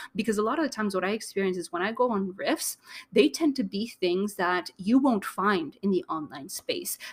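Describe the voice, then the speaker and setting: A woman's pitch swings very widely. Her voice carries some breathiness. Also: medium pitch for a woman, moderate pace. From Argentina. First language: Spanish. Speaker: podcast host, business coach. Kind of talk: unscripted solo podcast monologue. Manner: casual, animated.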